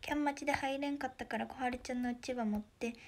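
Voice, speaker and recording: A woman with a Kansai accent talks at a fairly quick pace in a high voice. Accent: Kansai dialect Japanese. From Kansai, Japan. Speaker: idol trainee livestreamer. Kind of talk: casual livestream chat. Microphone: phone near.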